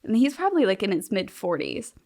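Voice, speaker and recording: A woman's voice: mid-range voice, big pitch swings, fairly quick, darkish tone. Young woman chatting with lots of "like"s. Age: young adult. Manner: chatty, loose, heavy use of "like" and "um". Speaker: interview guest. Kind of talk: casual interview talk.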